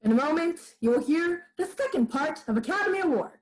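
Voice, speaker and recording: A woman's voice: high-pitched, lively intonation, a little fast. A woman playing a polished 1940s radio announcer, formal and theatrical. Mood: grand, formal.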